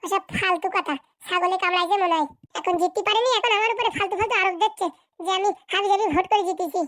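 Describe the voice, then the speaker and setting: A woman voicing an arrogant, brusque female politician in a comedy cartoon, with a rural Bengali accent and a pitched-up voice. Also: steady tone, fast, fairly bright tone, no echo, studio quality. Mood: dismissive. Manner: brusque, haughty.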